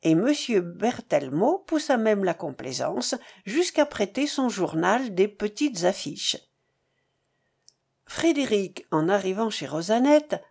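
A woman narrating a novel in an expressive, measured reading. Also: mid-range voice, creaky, breathy edge. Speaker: audiobook narrator.

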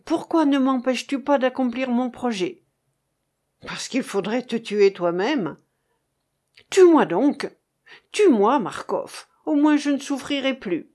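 A woman's voice: on the high side, unhurried. A woman voicing a resolute young Breton man. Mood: anguished. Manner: dark, resolute delivery.

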